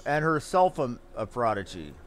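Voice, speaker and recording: A man's voice: medium pitch, very animated, normal speed, slight background noise. A man giving casual commentary as he streams a game, sometimes muttering to himself.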